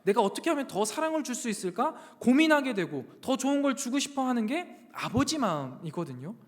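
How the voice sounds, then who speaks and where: A man's voice: very high voice, sing-song, a little fast. A man in his thirties, a pastor giving a sermon to young adults, telling a family story and acting out his children's voices. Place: church sanctuary. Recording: long reverb of a church hall.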